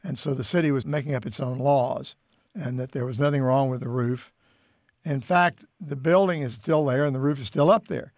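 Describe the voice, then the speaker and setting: An American man recounting history in an interview in a measured, deliberate way, pausing mid-sentence. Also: medium pitch, steady tone, no room sound, clean studio sound. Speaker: interviewee, musician and radio figure.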